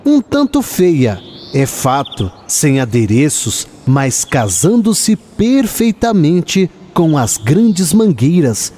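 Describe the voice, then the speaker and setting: A Brazilian man narrating a literary radio drama in a measured, expressive storytelling manner. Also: a little high, a little hiss or hum.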